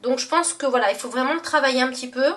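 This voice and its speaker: Young woman, beauty vlogger, fairly high voice, gushing, chatty, lots of fillers, recorded a bit far from the mic. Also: fast, a bit bright. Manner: chatty and gushing, many fillers and self-corrections. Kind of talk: casual makeup haul vlog.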